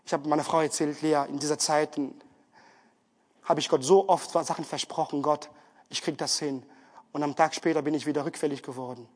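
A man preaching an emotional testimony, earnest and pleading, often stumbling and restarting his words. His voice sits high for a man. It rings out with a long reverb, as in a church hall. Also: fairly even intonation, brisk.

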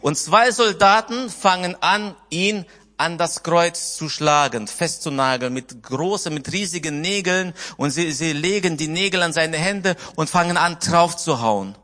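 A man's voice: fairly high pitch, unhurried, sharp tone, long reverb tail. A man preaching a sermon, earnestly retelling scripture and putting questions to his listeners. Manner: earnest, retells scripture with quoted dialogue, asks the congregation questions.

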